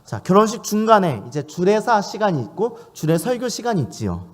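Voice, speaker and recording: A man's voice: high-pitched, very animated, brisk. A man preaching a sermon in church, asking questions of his listeners as he speaks. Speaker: pastor.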